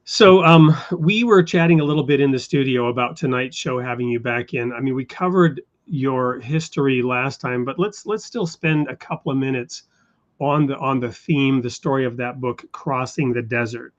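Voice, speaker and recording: Male interview host, measured and thoughtful, mid pitch, dull lo-fi sound. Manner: measured, thoughtful with frequent fillers. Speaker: show host. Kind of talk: interview conversation.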